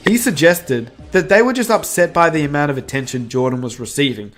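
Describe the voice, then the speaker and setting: A woman narrating a channel video, telling a story with lively emphasis and rising questions. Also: deep voice, fairly quick. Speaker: YouTube narrator. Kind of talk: scripted narration. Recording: faint music underneath.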